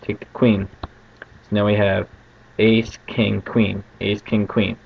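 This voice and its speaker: Low, flat-voiced man doing card magician patter. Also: slow pace, gravelly. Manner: checks in constantly with short tag questions. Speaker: card trick tutorial host. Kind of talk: casual card magician patter, demonstrating and explaining a trick step by step. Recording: muffled lo-fi home recording with faint noise.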